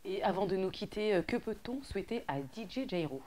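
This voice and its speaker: A woman's voice: medium pitch, animated, a little fast, darkish tone. A woman hosting an interview, playful and enthusiastic, often laughing between questions. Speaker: interview host.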